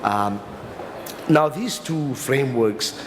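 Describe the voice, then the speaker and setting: A man with a South African accent giving an explanatory conference talk as a legal professional, in a halting, hesitant delivery with repeated words. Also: mid-range voice. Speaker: company lawyer speaking as a summit panelist. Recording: reverberant hall with clear background noise.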